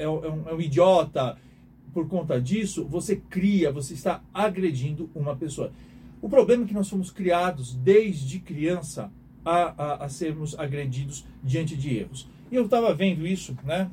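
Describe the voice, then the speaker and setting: A man's voice: on the high side, mellow, a little hiss or hum. Emphatic man lecturing. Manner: emphatic, questioning, repeats himself. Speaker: communication teacher. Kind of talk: lecture to an online audience.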